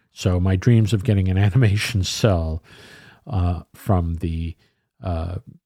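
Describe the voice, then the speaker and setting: In an American accent, a man speaks very slowly with a very deep, low pitch, a dark, mellow tone, a somewhat breathy quality and ordinary pitch variation. The sound is dry and close with no echo, on a very clean recording with a silent background. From Brooklyn, New York. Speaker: podcast host, animator. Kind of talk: casual monologue.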